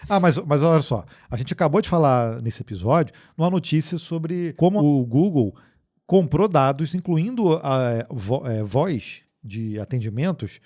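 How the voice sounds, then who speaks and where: A Brazilian man co-hosts a tech show in easy, casual conversation. His voice is warm and mellow. He talks loosely, with fillers and restarts, as he reads out viewer comments. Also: a little high, unhurried. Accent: Brazilian Portuguese. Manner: relaxed and chatty, with frequent fillers and restarts. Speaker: co-host of a tech news show. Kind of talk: casual chat, reading viewer comments aloud.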